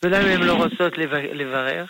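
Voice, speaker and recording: A rabbi answers listeners' questions on a call-in radio show, his voice sitting a little high with a gravelly, bright edge. He explains things patiently and gently and is never in a hurry. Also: low-quality recording. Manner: gentle, unhurried, explains patiently with soft laughs.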